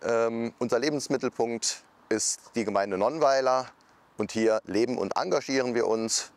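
A man, giving a halting interview statement as a mayoral candidate, with frequent fillers. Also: medium pitch. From Saarland, Germany. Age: 30s.

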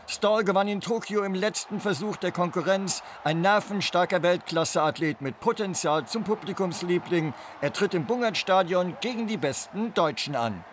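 A man narrating a sports report with lively, emphatic delivery. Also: sits high, normal speed, hardly any pauses, slight background noise. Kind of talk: scripted news report voice-over.

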